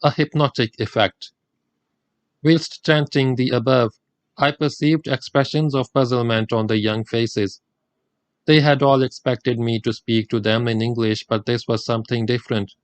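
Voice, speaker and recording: A male audiobook narrator with a mid-range voice reads a religious text at a measured, formal pace. The recording is close and dry, with no room sound around him. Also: mid-range voice, fairly even intonation, no room sound. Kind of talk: scripted audiobook reading.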